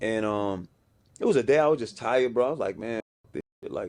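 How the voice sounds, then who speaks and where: A man with a New York accent talks at a fairly quick pace with ordinary pitch variation. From Brownsville, Brooklyn, New York. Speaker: music label executive. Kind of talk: interview storytelling. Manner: animated.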